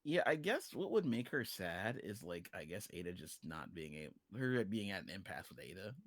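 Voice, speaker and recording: A man's voice: low-pitched, sing-song, moderate pace, no echo. A man chatting casually on a livestream as a guest writer and artist. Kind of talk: casual collaborative livestream chat.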